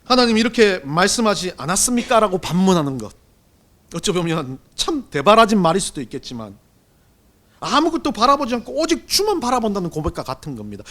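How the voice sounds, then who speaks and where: A middle-aged man preaching a Sunday sermon as pastor, swinging between loud and hushed delivery. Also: high-pitched. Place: church sanctuary.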